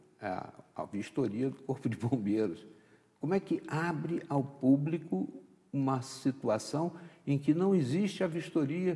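A man with a fairly high voice speaks at a fairly slow pace, his dark, mellow tone somewhat breathy and his intonation lively. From Brazil. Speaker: TV interviewer. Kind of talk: TV interview. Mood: critical, ironic. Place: studio.

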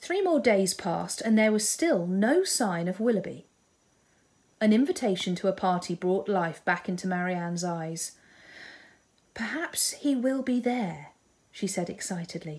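Lively intonation carries speech at a moderate pace, broken by long, frequent pauses. The background is quiet. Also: woman. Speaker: comedy performer. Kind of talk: storybook narration with character voices. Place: home room. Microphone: phone near.

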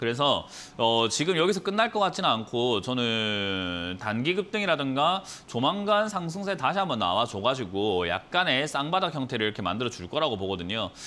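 The voice is bright and sharp in tone, with very wide pitch swings. Its pace is moderate. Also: man. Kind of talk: commentary. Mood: earnest advising tone. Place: studio.

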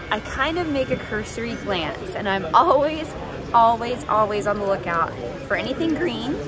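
A woman keeps a moderate pace as music plays behind her. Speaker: vlogger. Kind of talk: casual vlog chat. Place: hall. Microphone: phone near.

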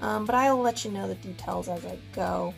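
Over faint background music, a woman speaks at a moderate pace. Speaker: comic collector vlogger. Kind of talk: casual vlog chat. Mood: upbeat, enthusiastic. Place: home room.

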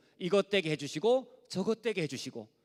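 With very wide pitch swings, a man speaks at a high pitch in a dry, close sound with no echo. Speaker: pastor. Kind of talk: sermon. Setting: church.

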